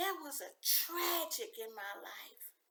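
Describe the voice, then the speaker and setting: In an American accent, a woman speaks in a raised, projected voice with an animated, bright, sharp tone. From Chicago, US. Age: 60s. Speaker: recovery ministry founder. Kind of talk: motivational talk.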